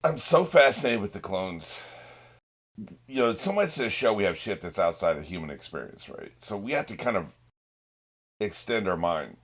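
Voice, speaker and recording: Low-voiced man giving casual reaction commentary. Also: sing-song, moderate pace, slightly rough. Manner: informal, swearing, musing. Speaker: reaction show host.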